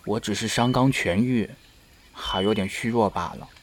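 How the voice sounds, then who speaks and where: A man's voice: lowish voice, normal speed, background noise, lightly acted. A man playing a stubborn, sensitive young male white fox spirit in an ancient-China audio drama. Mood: subdued, downcast.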